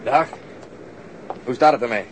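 A man acts out a cynical cop in a radio drama. He grumbles in a dry, sardonic way at a middling pitch. There is some noise and outdoor ambience around him. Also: a little slow, natural voice. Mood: matter-of-fact, grumbling. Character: talkative, cynical male policeman, grumbling about the job. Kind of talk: naturalistic radio drama dialogue.

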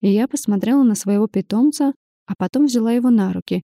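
A woman reading a first-person novel aloud as audiobook narrator, even in narration and lively in the heroine's lines. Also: a little high, fast talker, no echo, clean studio sound.

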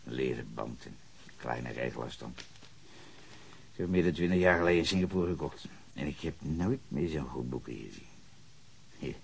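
A gravelly, volatile old sea captain. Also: male voice, very deep voice, a little hiss or hum, heavily acted. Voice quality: gravelly, growling. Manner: blustering, bursts into furious shouting. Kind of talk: radio drama acting.

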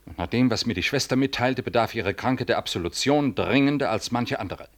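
A man acting in a 1960s radio drama as a stern, dutiful Catholic priest who speaks in a solemn, formal, deliberate way. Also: medium pitch, lightly acted.

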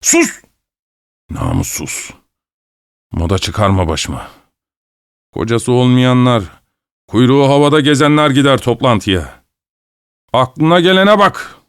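A man reading an audiobook, voicing a brutal peasant husband who shouts harsh insults. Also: medium pitch, big pitch swings, measured pace, long pauses, smooth, no echo, studio quality. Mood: yelling.

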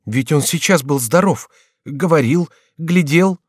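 A man voicing a lively young noblewoman who worries for her husband, with high excitable exclamations, in a dry audiobook reading. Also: measured pace, breathy edge, no room sound. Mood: anxious.

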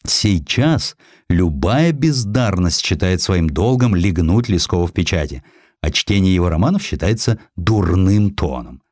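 A man narrating historical sketches as an audiobook reader, in an expressive, theatrical storytelling style at a close studio microphone. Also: deep voice, a little slow, no echo.

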